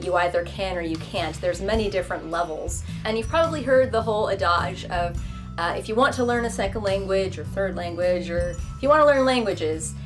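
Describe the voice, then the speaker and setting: A young woman vlogger talking casually to the camera, chatty and self-deprecating, breaking into quick voiced asides. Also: mid-range voice.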